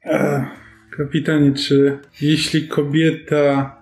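A man's voice: a little high, monotone, slow pace, darkish tone. A man role-playing as a player in a fantasy tabletop game. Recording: roomy, background music.

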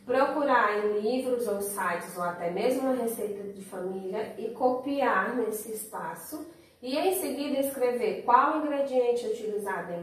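A woman's voice: fairly high pitch, far from the mic. Patient teacher woman in an echoey room. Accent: Brazilian Portuguese. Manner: patient, explains step by step, checks in with "certo?". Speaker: primary school teacher. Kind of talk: remote lesson for children.

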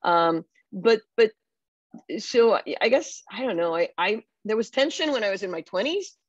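A woman's voice: mid-range voice, lively intonation, normal speed, no room sound. A woman in her fifties from Puerto Rico, an elected official, speaking candidly and reflectively on a panel over a video call. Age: 50s. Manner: candid, reflective, frequent "you know". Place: home room with bookshelves, indoors. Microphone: video call webcam. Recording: dull, dry webcam audio.

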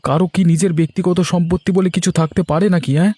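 A man's voice: high-pitched, fairly even intonation, rapid-fire, darkish tone, husky, no room sound, pitched above the performer's own voice. A man voicing a poor village man who stands up to the headman, polite at first but stubborn. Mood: defiant. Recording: faint music behind.

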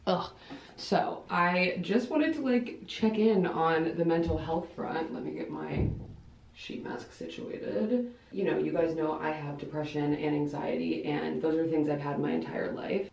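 A woman's voice: deep voice, gravelly, darkish tone. Chatty twenties woman in an echoey bathroom. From Ohio, United States. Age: 20s. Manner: chatty and rambling, frequent filler "like". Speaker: vlogger. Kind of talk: casual vlog chat to camera. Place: small bathroom, indoors. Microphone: camera mic a few feet away. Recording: echoey bathroom, distant dull camera audio.

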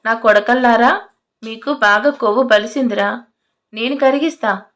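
A woman voicing a furious, fearless male police officer who shouts threats. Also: a little high, moderate pace, natural voice.

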